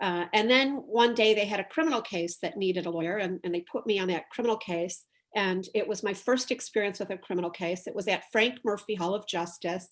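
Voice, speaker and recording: A woman with an American accent uses a normal speaking voice at medium pitch, talking at a fairly quick pace with ordinary pitch variation and hardly any pauses. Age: 60s. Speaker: criminal defense attorney. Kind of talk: interview. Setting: video call.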